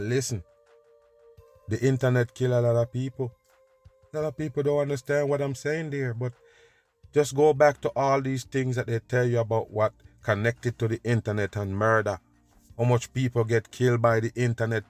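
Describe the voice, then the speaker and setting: A man's voice: medium pitch, no room sound. A man hosts a reaction show and talks back at the clips with emphatic scorn, in a mid-range voice. His voice sounds dry and close, with faint music under it. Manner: emphatic, scornful, repeats "pay attention". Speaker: host reacting to video clips. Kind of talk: reaction commentary.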